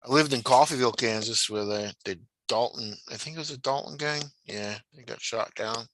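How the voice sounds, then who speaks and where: A chatty, eager man from the United States with a bright, forceful tone at a middle pitch. He sounds dry and close, with little room around him. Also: fairly quick, no room sound, rough recording. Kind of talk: casual chat.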